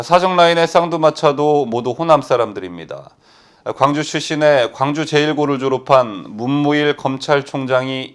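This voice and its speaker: A middle-aged man reading political news commentary at a steady pace, often opening sentences with "ah". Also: medium pitch. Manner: steady reading with frequent "ah" fillers.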